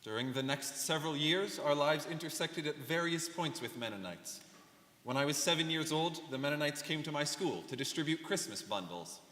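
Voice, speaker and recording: A man's voice: on the high side, lively intonation, normal speed, bright, forceful tone. A young man, a student actor, playing an earnest refugee recounting his life in a rehearsed reading. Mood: earnest recollection. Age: young adult. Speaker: student performer in a dramatic reading. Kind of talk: rehearsed staged monologue. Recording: echoey hall, live stage reading.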